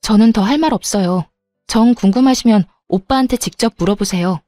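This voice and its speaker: A woman's voice: medium pitch, a little fast, no echo, soft background music, close to an everyday voice. Woman playing an angry young bride-to-be. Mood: cold. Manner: sharp, heated.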